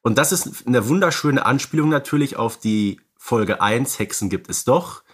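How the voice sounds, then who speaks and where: A man's voice: medium pitch, expressive, moderate pace, husky. A man co-hosts a podcast, casually explaining and discussing films in a conversational way. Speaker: podcast co-host.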